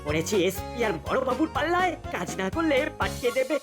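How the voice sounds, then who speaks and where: A woman's voice: sits high, very animated, a little fast. A woman voicing a cheeky, mischievous boy who likes wordplay in a comedy cartoon. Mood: worried. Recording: music behind the voice.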